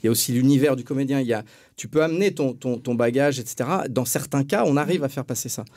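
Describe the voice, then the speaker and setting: Middle-aged guy, gravelly low-key voice, musing and stumbling a bit in a panel chat. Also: warm tone, dry recording, studio quality. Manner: reflective, halting with restarts. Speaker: voice actor. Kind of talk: casual panel discussion.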